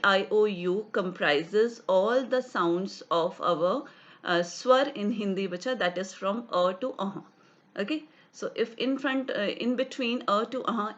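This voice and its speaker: A woman's voice: medium pitch, dull audio. Indian woman teaching online grammar lesson. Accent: Indian English. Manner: explanatory, repeats checks like "right?" and "got it?". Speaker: school English teacher. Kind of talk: online class lesson explaining grammar rules. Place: home or classroom, online class.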